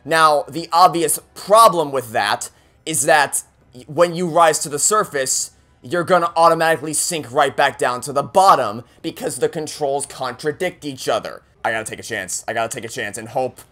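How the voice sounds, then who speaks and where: Male streamer, slightly high voice, casual game commentary, exasperated and sweary, anxiously repeating himself. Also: normal speed, pushed and bright.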